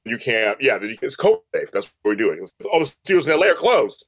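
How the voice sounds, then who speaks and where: Really animated guy being interviewed, voice jumps all over, repeats stuff for emphasis. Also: medium pitch, fairly quick. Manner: animated, emphatic, repeats phrases, acts out quotes. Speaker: podcast guest, audio drama producer and director. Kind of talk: casual interview chat.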